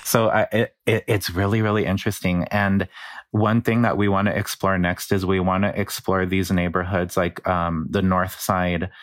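A man's voice: low voice, flat delivery, normal speed, no room sound, clean studio sound. A man from New Mexico with a New Mexico Chicano English accent, earnestly explaining speech patterns as a researcher with many fillers. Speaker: linguistics researcher guest. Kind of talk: explanatory interview talk.

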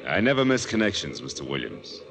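An American actor playing a cocky, smooth-talking counterfeiter in a 1940s radio drama. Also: male voice, extremely low pitch, big pitch swings, fairly quick, heavily acted. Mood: breezy, cocky.

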